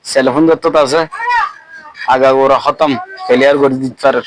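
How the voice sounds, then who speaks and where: A man's voice: medium pitch, fairly even intonation, normal speed, over music. A man with a Rohingya accent giving informal, colloquial spoken commentary, repeating phrases for emphasis.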